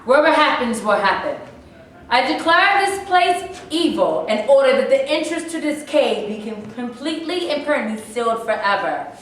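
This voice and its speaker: A woman's voice: sits high, sing-song, normal speed. Imperious tribal leader, a woman acting, echoey room. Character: imperious conquering prehistoric female tribal leader. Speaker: actor. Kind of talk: staged play reading. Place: echoey room at a staged reading. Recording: echoey room, distant mic, faint noise.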